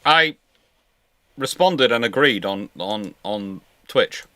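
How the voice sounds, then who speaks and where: A man in casual live-stream discussion, speaking haltingly and often repeating and restarting his phrases. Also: lowish voice, lively intonation, pushed and bright, dry recording. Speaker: host of a live history Q&A stream.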